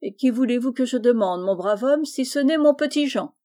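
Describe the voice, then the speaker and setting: A hearty, generous older farmer, read by a woman in a storybook, jovial and quick to exclaim. The voice sits fairly high and sounds mellow. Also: expressive, close to an everyday voice.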